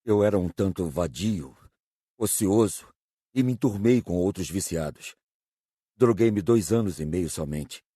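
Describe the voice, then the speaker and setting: Guy doing a sorry ex-addict spirit, deep husky voice, earnest confession for an audiobook. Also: expressive, a little slow, mellow, no room sound, exaggerated voice. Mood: sober, pained. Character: young male former addict spirit, remorseful, once idle. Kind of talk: dramatized audiobook dialogue.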